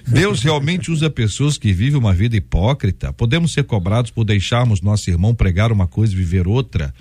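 A Brazilian man hosting a radio debate show, joking and teasing his guests in a lively, chatty way. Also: fairly low pitch, fairly quick, husky, dry recording. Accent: Brazilian Portuguese. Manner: jokey, teasing, talks over guests.

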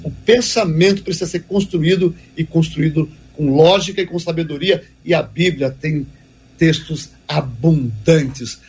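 A man's voice: on the high side, measured pace, darkish tone, slightly rough. A man giving a devotional teaching talk as a preacher, speaking emphatically and repeating key phrases for weight.

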